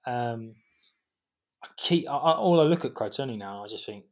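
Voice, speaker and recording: A man's voice: mid-range voice, animated, moderate pace. A man co-hosting a casual football podcast, often stumbling and restarting as he talks. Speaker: podcast co-host.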